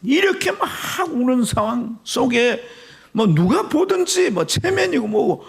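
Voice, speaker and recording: A man preaching a Sunday sermon as pastor, telling a story with sudden swings between loud high passages and low hushed ones. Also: big pitch swings, unhurried, creaky, slightly rough. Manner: storytelling with sharp swings in pitch and loudness. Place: church sanctuary.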